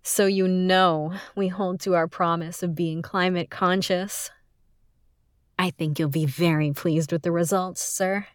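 A woman voicing a polite, teasing service technician who gives a smooth customer-service pitch in an audio roleplay and calls the listener sir. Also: steady tone, measured pace, no room sound, clean studio sound, natural voice. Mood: pleased teasing.

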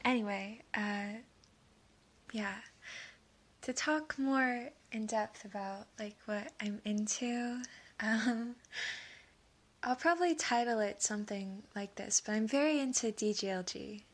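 Nervous, stammering woman, sniffly voice. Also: mid-range voice. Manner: nervous, halting, stammering with many fillers; drops into soft whispers at times. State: sniffly from allergies. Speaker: audio creator. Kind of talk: rambling casual monologue.

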